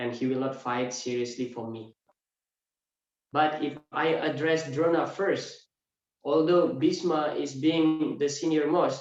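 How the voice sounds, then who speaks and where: A fairly high-pitched man with an Indonesian accent, at a fairly slow pace with fairly even intonation. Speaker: religious teacher. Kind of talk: lecture.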